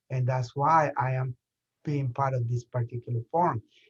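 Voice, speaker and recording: The voice, in a Nicaraguan accent, is somewhat breathy. The sound is dry and close, with no echo. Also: man. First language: Spanish. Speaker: physician. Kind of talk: press briefing remarks. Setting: video call. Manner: halting, many repetitions.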